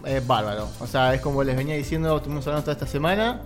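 A man's voice: medium pitch, lively intonation, rapid-fire, over music. A man with an Argentine accent, a guest on a podcast, chatting and joking playfully. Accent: Argentine Spanish. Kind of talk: casual group chat.

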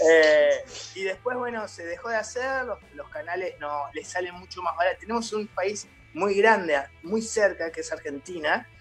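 A middle-aged Uruguayan theatre founder speaking as a radio guest in casual chat, hesitant, with many fillers and restarts. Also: male voice, high-pitched, moderate pace, a bit bright, faint music behind. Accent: Uruguayan Spanish.

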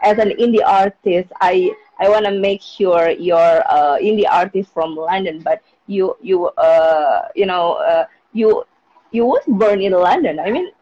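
A woman's voice: on the low side, unhurried. A woman from Indonesia hosting a live podcast, speaking hesitant English full of fillers, with Indonesian as her first language. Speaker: podcast host. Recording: dull lo-fi sound.

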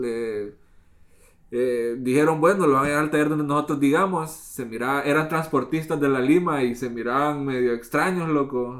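A young man, a podcast host telling relaxed, slangy stories in casual chat. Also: on the high side.

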